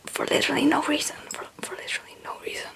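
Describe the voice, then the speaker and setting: A young woman, a native Dutch speaker, whispering breathily in a rambling, halting, casual ASMR chat. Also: fairly bright tone. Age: young adult. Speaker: ASMR video creator.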